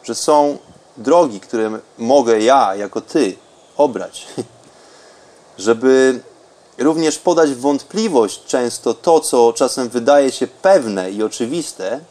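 A man speaking in a calm, unhurried, soothing way with long pauses, as a podcast host and meditation guide. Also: mid-range voice.

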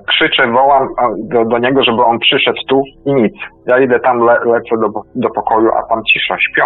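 A man's voice: mid-range voice, breathy edge, dry recording. Stammering man calling in by phone. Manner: halting and stammering, repeats words often. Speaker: caller. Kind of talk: telling a personal experience on a call-in radio show. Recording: tinny phone line.

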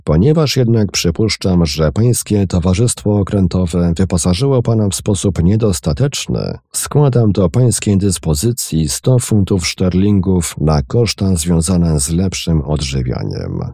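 A man voicing a cool, bold gentleman adventurer who speaks calmly and firmly in a storybook reading. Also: low-pitched, measured pace, few pauses, breathy edge, no echo, clean studio sound, heavily acted. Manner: calm, firm, commanding.

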